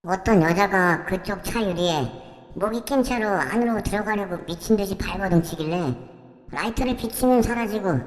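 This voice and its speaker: A man voicing a frightened stranger driver who urgently warns about something he saw, in a hushed, raised voice. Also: high-pitched, normal speed, reverberant, in a large hall, voice pushed up, lightly acted, low-quality recording. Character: panicked stranger driver warning of a ghost.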